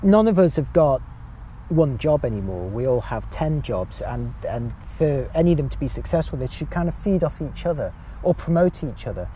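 A man with a high-pitched voice, chatting casually as a podcast guest with a self-mocking humor. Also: animated, normal speed, dark tone, a little hiss or hum. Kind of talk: casual chat.

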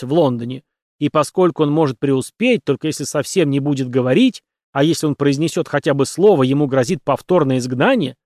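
A commanding, mocking captain of a beggars' band, put on by a male audiobook reader, raised in pitch and lively in his swings. He speaks with authority over a table of rogues, dry and close to the mic. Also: dry recording, lightly acted.

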